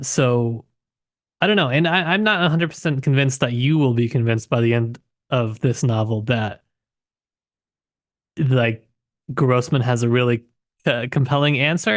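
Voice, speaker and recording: Casting: man for literary podcast co-host. Medium pitch, reflective and self-qualifying, casual delivery, very little room sound. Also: normal speed, dry recording, clean studio sound.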